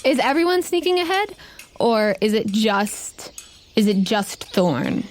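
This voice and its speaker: A woman's voice: fairly high pitch, very animated, measured pace, faint music behind. A woman running a tabletop game, narrating off the cuff and putting questions to the players. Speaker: game master.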